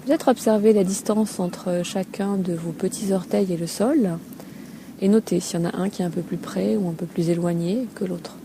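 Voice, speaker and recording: Une femme guide un body scan en improvisant, d'une manière douce et posée, avec des pauses hésitantes entre de courtes phrases. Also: female voice, fairly low pitch. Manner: gentle, unhurried, hesitant pauses between short phrases. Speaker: Feldenkrais teacher guiding a body scan. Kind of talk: guided relaxation lesson, spoken unscripted. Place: outdoors by a calm sea. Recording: steady seaside ambient noise. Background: sea ambience with some seagulls.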